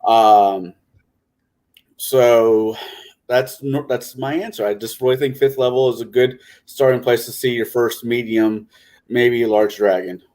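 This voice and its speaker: A man's voice: medium pitch, fairly even intonation, a little slow, darkish tone. A man giving his answers as a panelist in a casual discussion among tabletop gamers.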